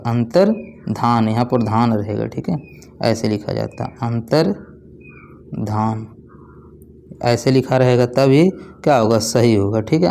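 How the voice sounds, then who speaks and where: A man's voice: medium pitch, gravelly, dark tone. A young man tutoring exam students, explaining spelling by asking questions and answering them himself. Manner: repetitive call-and-response, asks then answers himself. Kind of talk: online exam-prep lesson.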